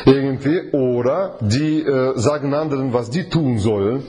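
A man's voice: medium pitch, crowd noise. A man gives an informal sermon to a Bible study group, often restarting and asking rhetorical questions. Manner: halting, many restarts and fillers, asks rhetorical questions. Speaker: preacher leading a Bible study.

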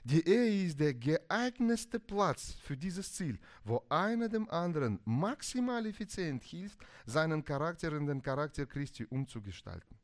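A man with as his preaches to a congregation. His voice sits a little higher than most men's and swings widely in pitch, and he acts out arguing couples in quick bursts of dialogue. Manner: animated, acts out quarrels in dialogue, non-native German phrasing. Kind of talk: sermon on marriage.

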